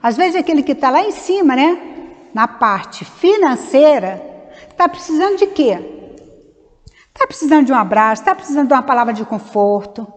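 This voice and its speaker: A woman's voice: high-pitched, big pitch swings, moderate pace. A Brazilian woman giving an informal, conversational religious study talk, wandering off on side stories and acting out small dialogues. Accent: Brazilian Portuguese. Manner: conversational, digressive, acts out little dialogues. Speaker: speaker at a Spiritist study meeting. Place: meeting hall of a Spiritist center. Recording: long hall reverb.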